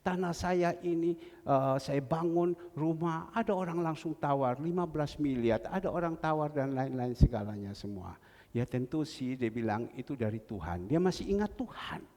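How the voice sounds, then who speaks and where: A man's voice: a little high, expressive, moderate pace, a little mellow. A male pastor, preaching an earnest, emotional sermon in a church. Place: church sanctuary. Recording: reverberant church hall.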